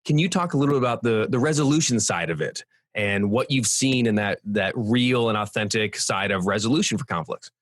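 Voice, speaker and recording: A man's voice: fairly low pitch, animated, a little fast, no room sound. Casual man hosting a podcast. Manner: casual, searching for words. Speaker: podcast host. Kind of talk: conversational interview.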